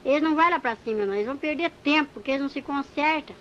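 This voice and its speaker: A woman's voice: sits high, racing, fairly bright tone, lo-fi sound, slight background noise. A woman voicing a gloating, boastful devil. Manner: mocking, boastful. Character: gloating male devil boasting of his grip on churchgoers.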